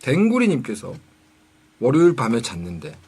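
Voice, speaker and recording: A man's voice: medium pitch, slightly rough. A man guest on a radio show, telling stories and teasing the host in casual chat. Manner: quick, animated storyteller, teasing. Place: radio studio.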